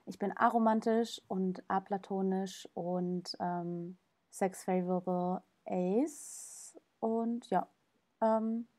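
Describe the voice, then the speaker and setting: A guest in their late twenties from Germany speaks slowly at a middle pitch. They sound hesitant and trail off with fillers between their words. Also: female voice, steady tone, mellow. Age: 20s. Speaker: podcast guest.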